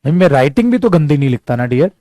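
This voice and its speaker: At the board, an energetic Indian man teaches spoken English, moving freely between Hindi and English and treating his students as friends. His fairly high voice slows and stretches each English example sentence so everyone can keep up. The audio is close and dry, with no room echo.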